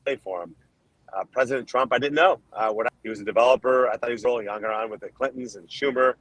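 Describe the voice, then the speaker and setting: A man from Colombia answering podcast questions as a candidate, firing off his points in emphatic lists. His voice sits at an ordinary middle pitch, and the sound is close and dry with no room echo. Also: fast talker, a bit bright. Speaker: Senate candidate, guest.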